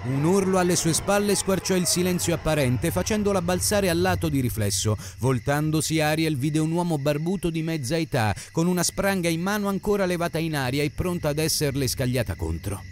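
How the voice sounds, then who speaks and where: A man reading an Italian novel aloud as narrator, in an expressive, dramatic style. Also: a little high, a little fast, few pauses, a little hiss or hum. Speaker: audiobook narrator. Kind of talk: scripted narration.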